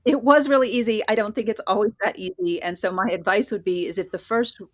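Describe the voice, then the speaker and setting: A woman's voice: mid-range voice, quick pace, dry recording, clean studio sound. A woman answering as an interview guest, talking conversationally about her work as a writer with emphatic asides. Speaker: guest, horror fiction writer.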